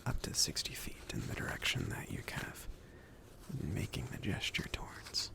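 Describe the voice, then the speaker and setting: A man playing a chill, considerate mage in an ASMR fantasy roleplay, speaking softly in a casual, hesitant, reassuring way. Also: normal speed, natural voice. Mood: calm, instructive. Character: chill, considerate mage sending an apprentice on errands.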